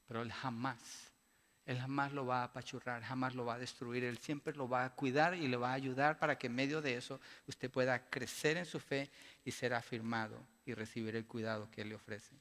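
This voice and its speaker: A man preaching a sermon as pastor, asking his congregation rhetorical questions and building to loud, emphatic passages. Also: mid-range voice, fairly even intonation, normal speed. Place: church sanctuary. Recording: long church-hall reverb.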